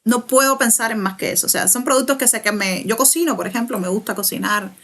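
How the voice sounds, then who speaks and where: A young Cuban woman with a Cuban Spanish accent, a writer answering interview questions thoughtfully, pausing and restarting as she searches for words. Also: a little high, a bit bright. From Cuba. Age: young adult. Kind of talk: reflective conversational interview.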